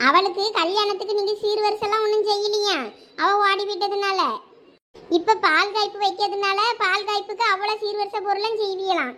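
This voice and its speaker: A woman's voice: very high voice, level tone, brisk, a bit bright. A woman voicing a short-tempered, sarcastic village wife in a cartoon, scolding and complaining in a Thoothukudi Tamil accent. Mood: indignant. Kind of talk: dialect cartoon family comedy dialogue.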